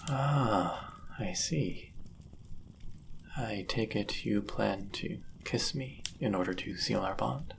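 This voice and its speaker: A powerful demon, acted by a man, speaks in a very deep voice thick with gravel. He is a devoted, possessive lover with formal, deliberate phrasing, unhurried and intimate, as in a fantasy audio drama. A faint noise sits behind the voice. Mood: tender, curious. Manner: formal, old-fashioned wording, deliberate. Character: powerful male demon, devoted, jealous lover bound to a sorcerer. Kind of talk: intimate scripted audio roleplay.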